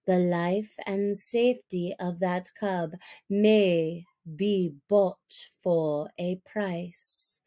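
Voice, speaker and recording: A woman voicing a cunning male black panther with a soft, purring, courtly and deliberate way of speaking, in a storybook reading. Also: on the low side, voice pushed down.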